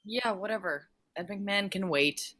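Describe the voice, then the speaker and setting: A woman's voice: medium pitch, normal speed, sharp tone. A woman playing a wisecracking, irreverent teenage boy in a table read. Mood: joking, flippant. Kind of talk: script read at a virtual table read. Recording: faint noise, clicks.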